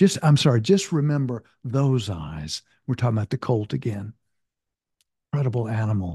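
A man's medium-pitched, somewhat breathy voice, dark and mellow in tone, gentle and soothing, with very wide pitch swings and long, frequent pauses. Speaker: poet and podcast host. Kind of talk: poetry reading, read aloud as a warm, intimate address to listeners. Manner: slow, tender and deliberate, repeating phrases twice for emphasis; gentle, soothing, reassuring.

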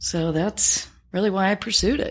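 A woman with an American accent speaks at a very slow pace and medium pitch. The recording is very clean, with a silent background. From US Midwest, Chicago suburbs. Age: 50s. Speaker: health and wellness coach. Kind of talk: interview.

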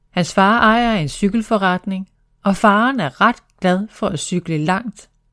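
The speaker is reading aloud in a natural voice. The text is read straight through.

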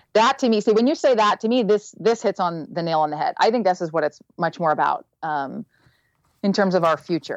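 An ordinary speaking voice, moving at a moderate pace with lively intonation, comes through a dry, close sound with no echo against a quiet background. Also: woman. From United States, moved all over. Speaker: business executive. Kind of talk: interview.

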